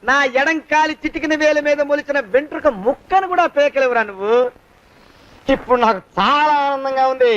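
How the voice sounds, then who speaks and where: Comic film role: a loud, taunting young blackmailer with a very high voice. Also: male voice, moderate pace. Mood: scornful. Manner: loud, needling, repeats a taunt. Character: cheeky young man blackmailing his creditor. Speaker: film character, a debtor's son pressing a moneylender. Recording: dull film soundtrack.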